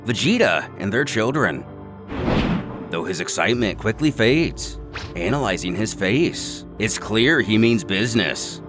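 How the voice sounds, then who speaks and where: A man delivering scripted, dramatic narration of a story. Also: medium pitch. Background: music.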